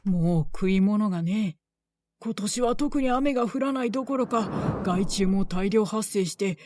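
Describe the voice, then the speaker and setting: A woman voicing gruff, scornful male village farmers who complain and bully with rough country speech. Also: medium pitch, unhurried, background noise, lightly acted.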